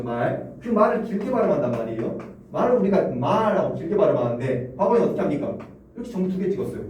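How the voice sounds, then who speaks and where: A man's voice: medium pitch, mellow. A male Korean language teacher giving a classroom lecture, asking students questions and chuckling often. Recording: roomy classroom echo, distant mic, faint hum.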